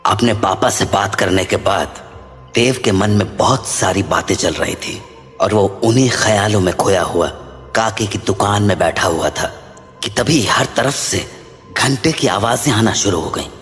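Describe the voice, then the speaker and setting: A man narrating a horror story in a measured, dramatic way. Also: on the low side, fairly bright tone, faint music behind. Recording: long reverb.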